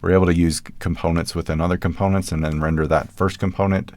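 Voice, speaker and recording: A man's voice: low voice, little pitch movement, fast talker, a little mellow. A man hosting a programming tutorial, casually thinking aloud as he types code. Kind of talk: screen-recorded coding tutorial.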